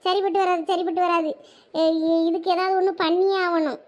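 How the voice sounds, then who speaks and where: A woman's voice: extremely high pitch, level tone, brisk. A woman voicing an exasperated, anxious village mother in a cartoon, scolding and complaining in a Thoothukudi Tamil accent. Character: exasperated, anxious village mother fretting over her children. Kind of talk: cartoon village drama dialogue.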